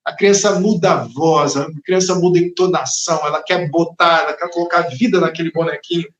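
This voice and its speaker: A male pastor preaching with lively, expressive delivery, his voice sitting high for a man. He drops into quieter tones and briefly acts out the people in his story. The sound is echoey, as in a reverberant room. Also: fairly quick, lo-fi sound. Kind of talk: sermon.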